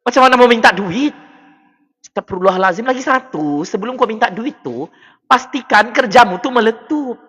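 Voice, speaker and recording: A man with a Sabah Malay accent, ranting and taunting as a livestream political commentator on his own mic, with loud exclamatory bursts. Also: very high-pitched, animated, moderate pace, husky. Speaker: political commentator streaming to viewers. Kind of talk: mocking livestream rant. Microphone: personal microphone at a desk.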